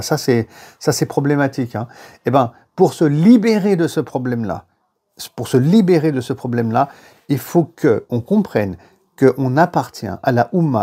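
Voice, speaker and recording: A French-born man giving an animated religious lesson, telling anecdotes and repeating phrases for emphasis. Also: a little high. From France. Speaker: religious teacher. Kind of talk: lively lecture on faith and history.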